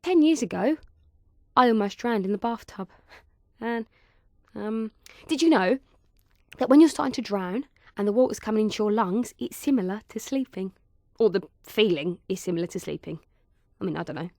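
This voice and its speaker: A woman's voice: mid-range voice, animated, moderate pace, long pauses, darkish tone, no echo, clean studio sound, close to an everyday voice. A woman performing a monologue as a quirky, awkward young woman musing morbidly in a hesitant, self-deprecating way. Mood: wistful, awkward. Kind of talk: dramatic monologue.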